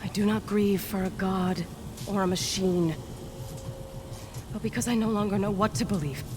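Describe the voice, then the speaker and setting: A woman's voice: medium pitch, fairly even intonation, moderate pace, noisy background, close to an everyday voice. An actress playing a solemn, grieving yet defiant tribal woman in a video game, speaking formally and earnestly. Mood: solemn, troubled. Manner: formal, earnest, weighty phrasing. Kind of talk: dramatic video game acting. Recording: music behind the voice.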